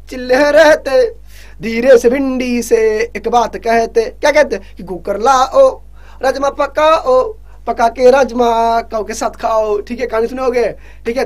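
Brisk, teasing online tutor, a man. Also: very high-pitched. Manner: urging students to answer fast, joking and scolding. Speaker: online exam-prep teacher. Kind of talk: live online class, quizzing students.

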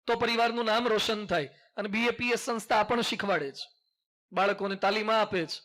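A man's voice: high-pitched, sharp tone. A man with a Gujarati accent giving a sermon as a monk preacher, telling folksy, humorous stories and leading call-and-response.

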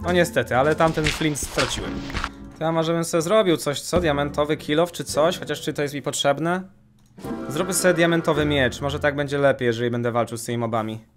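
A young man hosting a gaming channel, giving casual let's-play commentary and jumping into high yelps whenever he gets startled. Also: fairly quick. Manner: excitable, jumps to high-pitched yelps when startled. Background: game music.

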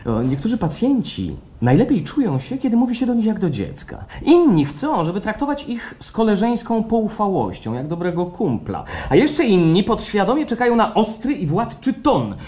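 An actor playing a coaxing, insinuating psychologist in a radio play performed live, swinging from soft to excited. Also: male voice, sits high, normal speed, few pauses. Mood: excited, theatrical. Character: smooth, probing male psychologist, theatrical and coaxing. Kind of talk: radio play acting before a live audience. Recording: live stage recording with background noise.

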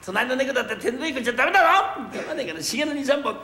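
A man's voice: extremely high pitch, lively intonation, racing, pushed and bright, exaggerated voice. A man playing an impatient master who scolds and teases his servant, in a rakugo comic story. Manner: scolding, teasing. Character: fussy impatient male master of a house. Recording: echoey TV hall with noise.

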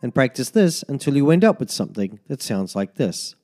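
A man narrating a tin whistle lesson as a voice-over, giving slow, methodical step-by-step fingering instructions. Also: mid-range voice, sing-song, a little mellow, soft background music. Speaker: music teacher.

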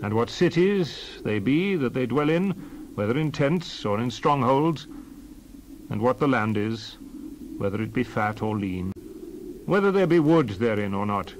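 A man's voice: mid-range voice, animated, a little slow, natural voice. A solemn biblical leader acted by a man declaims scripture with authority. His intonation rises and falls widely in this dramatized Bible reading. Faint noise sits behind the voice. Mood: firm, instructing. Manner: declamatory, archaic scriptural phrasing. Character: Moses, male biblical leader, solemn and commanding.

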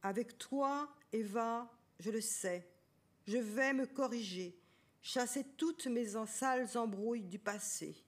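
Woman reading as troubled male lover, quiet, even, literary reading. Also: a little high, slow. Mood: earnest. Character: troubled man, lover of the narrator.

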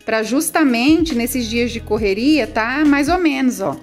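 A talkative woman from Brazil walks her viewers through her tidy house, speaking in a fairly high voice and peppering everything with fond little words. She records on a phone held in her hand, so the sound is close and homely, with faint music in the background. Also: measured pace. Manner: chatty and affectionate, many diminutives, baby talk to her pets. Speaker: vlogger. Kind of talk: casual home vlog, talking to viewers. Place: small house, indoors and on the porch. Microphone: handheld phone.

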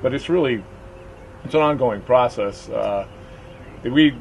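Middle-aged American man, folksy tour guide, loose conversational delivery, medium pitch, recorded from a distance with heavy reverb. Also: unhurried, creaky, a little mellow. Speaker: brewery owner giving a tour. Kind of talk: casual explanatory tour talk. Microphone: camera a few feet away. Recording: echoey rooms, distant camera mic, noisy hum.

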